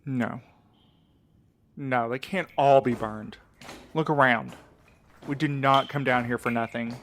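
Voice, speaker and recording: A man's voice: mid-range voice, steady tone, slow, fairly bright tone, a little hiss or hum. An actor, a man, playing a determined, frustrated searcher who refuses to give up, in naturalistic audio drama dialogue. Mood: tense, frustrated.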